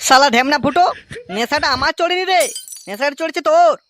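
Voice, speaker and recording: A man's voice: very high-pitched, fast, a bit bright, slight background noise. A man voicing a jealous, foul-mouthed village husband in a comic cartoon, with a West Bengal accent and a blustering, coarse, threatening manner. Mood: furious, threatening.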